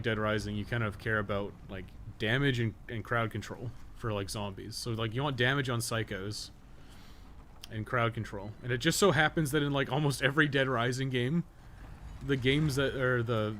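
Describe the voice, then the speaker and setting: A man's voice: medium pitch, a bit bright, slight background noise. A man livestreaming a game, chatting casually and thinking aloud in a rambling, slangy, sweary way. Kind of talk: casual gameplay commentary, chatting while playing.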